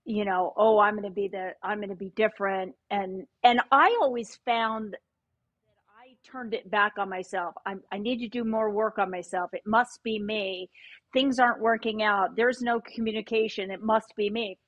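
A woman's voice: medium pitch, steady tone, moderate pace, a bit bright, no room sound. A middle-aged woman hosting a podcast, talking candidly and reflectively in casual chat, often restarting her sentences. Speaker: podcast host. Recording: dry, muffled lo-fi mic.

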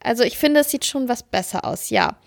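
A woman co-hosting a podcast, chatting casually and telling stories in a lively, self-mocking way. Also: on the high side, brisk. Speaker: podcast co-host. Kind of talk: casual chat.

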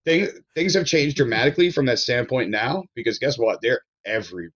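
A man's voice: medium pitch, animated, brisk, a bit bright, husky, dull audio. A man from Maryland talking casually on a podcast as a chef guest, rambling with restarts and blunt swearing.

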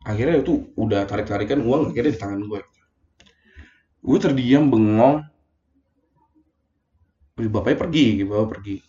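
A young man recounts a personal episode in loose, slangy talk, stumbling over his words when feelings rise. His voice sits warm and mellow. The recording is a dull, lo-fi phone voice message in a roomy space. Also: fairly low pitch, moderate pace, pauses often. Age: young adult. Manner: slangy, emotional retelling with many fillers. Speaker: storyteller. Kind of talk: casual personal monologue.

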